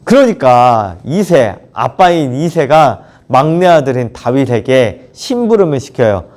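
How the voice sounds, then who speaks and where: A young man, a children's ministry pastor, telling a Bible story to kids in an animated storytelling way and acting out the characters. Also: mid-range voice, a little slow. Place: church, recorded alone. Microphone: camera mic, unmasked solo recording.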